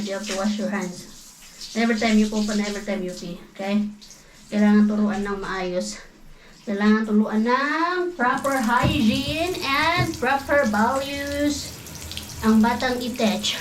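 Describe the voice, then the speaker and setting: Filipina mom vlogger, high voice, playful and coaxing, code-switching, home bathroom with water noise. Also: echoey room. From Philippines. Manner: playful, coaxing, laughs often, mixes Tagalog with English. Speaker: mother vlogger. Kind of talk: casual home vlog talk with a toddler.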